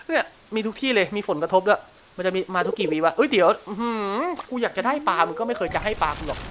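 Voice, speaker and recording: A man with a Thai accent giving casual, crude gameplay commentary, chatting to himself and shouting at the game when it frustrates him. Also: high voice, a little hiss or hum. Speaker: gameplay streamer.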